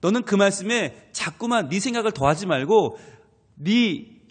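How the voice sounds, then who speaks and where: A high-voiced male pastor preaching with lively, swooping intonation, acting out voices as he explains. His voice carries the long reverb of a church hall. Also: a little slow, breathy edge. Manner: animated preaching, acting out skeptic and believer voices. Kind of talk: dawn prayer sermon. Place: church sanctuary.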